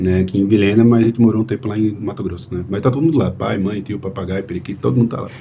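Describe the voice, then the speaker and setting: Over noticeable background noise, a man with a northeastern Brazilian accent speaks at a very fast pace with hardly any pauses, at a fairly low pitch with ordinary pitch variation. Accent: northeastern Brazilian, Pernambuco. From Brazil, Recife, Pernambuco. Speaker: otolaryngologist. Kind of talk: casual interview chat. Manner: animated.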